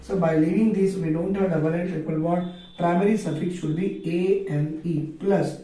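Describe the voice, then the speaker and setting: A man's voice: high voice, steady tone, moderate pace, dark tone. A man with a South Asian accent teaching an online chemistry lesson, asking his own questions, repeating points and spelling terms out. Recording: echoey room, far from mic.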